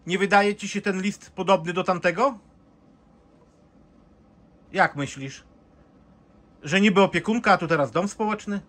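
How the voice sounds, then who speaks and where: A man's voice: high voice, a little slow, pauses often, a bit bright. A man in casual chat, coaxing and insistent, who soothes the other man when he cries.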